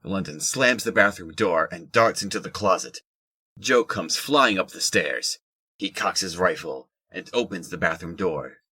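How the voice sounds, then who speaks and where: A man with a husky voice reading scripted narration for an audio drama. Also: low-pitched, lively intonation, a little slow, pushed and bright.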